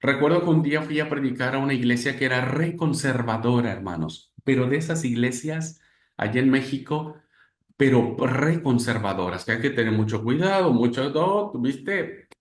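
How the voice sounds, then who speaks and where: A man teaching a class on preaching, telling a church story with lively, conversational warmth and tag questions like "¿viste?". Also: mid-range voice, normal speed, roomy sound. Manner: animated storyteller, frequent "¿viste?" and "hermanos". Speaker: preaching instructor. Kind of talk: homiletics class with a personal story.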